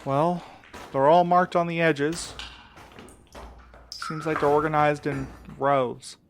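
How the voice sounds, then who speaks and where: A man's voice: on the high side, fairly even intonation, takes it slowly, a little hiss or hum. An actor, a man, playing a determined, frustrated searcher who refuses to give up, in naturalistic audio drama dialogue. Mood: tense, frustrated.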